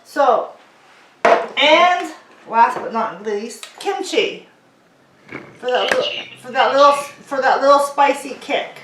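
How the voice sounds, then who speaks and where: A woman's voice: high-pitched, expressive, takes it slowly, long pauses, noisy background. A middle-aged woman, born in South Korea and raised in the United States, teaching a casual cooking lesson and often checking in with her viewers. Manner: chatty, keeps checking in with "okay?". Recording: roomy sound from a distant mic.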